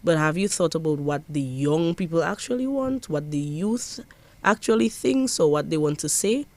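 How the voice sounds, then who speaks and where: Low-pitched and expressive, with a darkish tone and normal speed, a young Dominican parliamentary secretary with a Dominican accent responds to an interviewer. She is earnest and emphatic and frequently starts her sentences over.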